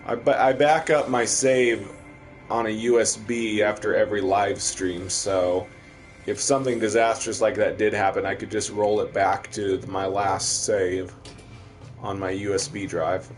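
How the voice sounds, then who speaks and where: This Midwestern-accented livestream host from the American Midwest talks through his gameplay in a casual way and replies to viewers. His lowish voice stays fairly even and unhurried, with faint music behind it.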